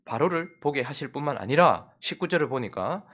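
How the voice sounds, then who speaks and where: A man preaching an early-morning sermon as pastor. He asks many rhetorical questions, acts out quoted speech and swings from loud emphatic bursts to hushed low passages. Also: animated, brisk.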